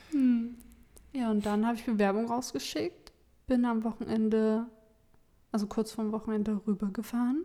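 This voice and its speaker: The speaker moves at a moderate pace with ordinary pitch variation. Long pauses come often. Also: woman, fairly high pitch for a woman. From eastern Germany, Naumburg. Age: 20s. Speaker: podcast co-host, paralegal by training. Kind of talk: casual chat.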